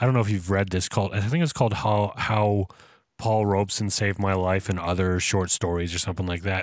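A man with a slight Canadian accent at a very fast pace, with fairly even intonation and very even loudness. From Canada. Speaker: podcast host. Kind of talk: casual chat.

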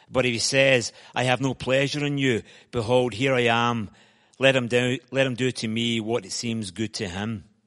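Speaking with a Glaswegian accent against a quiet background, a man at medium pitch keeps a moderate pace and fairly even intonation. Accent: Glaswegian Scottish. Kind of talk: reading scripture aloud.

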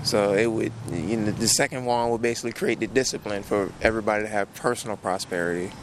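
Over noticeable background noise, a man with a medium pitch rushes along at a very fast pace with hardly any pauses and fairly even intonation. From Richmond, Virginia. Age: 20s. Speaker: protester. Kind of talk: casual interview. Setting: outdoors.

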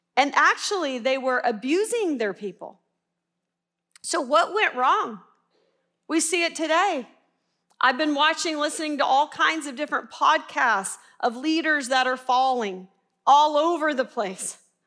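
In a Southern US accent, a woman with a high, raised and projected voice speaks fairly slowly with an animated tone, lively intonation and long, frequent pauses. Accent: Southern US, noticeable twang. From Little Rock, Arkansas, US South. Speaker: Bible teacher. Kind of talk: Bible study teaching. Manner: animated, conversational, humorous.

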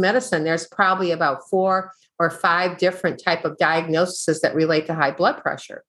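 A woman with an animated tone, a fairly low pitch and a Midwestern American accent. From US Midwest. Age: 60s. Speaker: wellness coach and doctor. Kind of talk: interview conversation.

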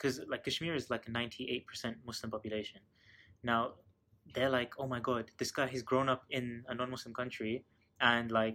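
Speaking at a moderate pace with a medium pitch, a man with a bright, sharp tone keeps a monotone, flat intonation and takes long, frequent pauses. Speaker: podcast host. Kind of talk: casual chat.

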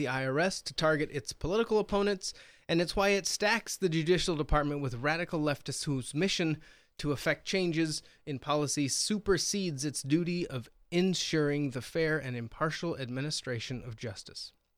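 On a very clean recording with a silent background, a man with a normal speaking voice talks at a fairly quick pace and a fairly high pitch. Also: ordinary pitch variation. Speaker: podcast host. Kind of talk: casual chat.

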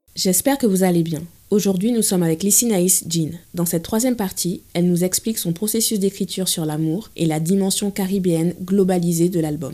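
This woman has a dark, mellow tone at a medium pitch. She talks at a moderate pace with ordinary pitch variation. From Guadeloupe. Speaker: podcast host. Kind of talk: interview; scripted narration.

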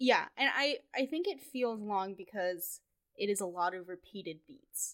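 Lively intonation marks this woman's speech. She talks at a fairly slow pace. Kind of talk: casual chat. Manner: animated.

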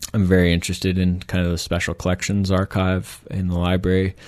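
Very deep and low in pitch, a man with an American accent talks at a moderate pace in a dark, mellow tone. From Michigan. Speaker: graduate art student. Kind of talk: interview.

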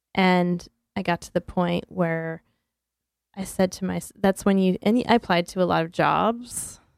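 An unremarkable speaking voice moves at a fairly slow pace with fairly even intonation and big swings in loudness, in a very clean recording with a silent background and a dry, close sound with no echo. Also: woman, medium pitch for a woman. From rural northeastern Pennsylvania (Montrose). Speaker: artist and curator. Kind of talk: casual interview on local radio.

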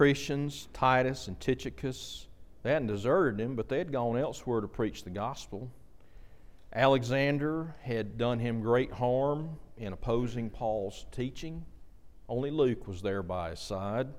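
A man speaks at a fairly slow pace, and audible room echo surrounds him. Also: medium pitch for a man, ordinary pitch variation. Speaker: lay preacher giving a church lecture. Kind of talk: sermon-style Bible lecture. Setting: church with congregation. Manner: halting with repetitions.

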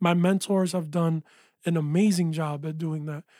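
A man with an American accent has a high pitch and a dark, mellow tone, captured in a very clean recording with a silent background and a dry, close sound with no echo. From New Jersey. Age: 30s. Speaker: music producer and engineer. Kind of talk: casual chat. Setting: studio. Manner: animated.

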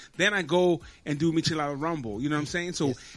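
Using an ordinary speaking voice, a man with an American accent talks at a fairly high pitch with ordinary pitch variation. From Southern California. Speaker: radio personality and podcast co-host. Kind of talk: casual chat; promo announcement.

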